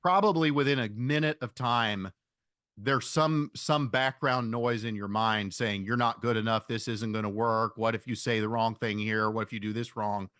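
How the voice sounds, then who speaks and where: A man giving reflective interview answers as a podcast guest, thoughtful and halting, rephrasing as he goes. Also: fairly low pitch, steady tone, a bit bright, no room sound, studio quality.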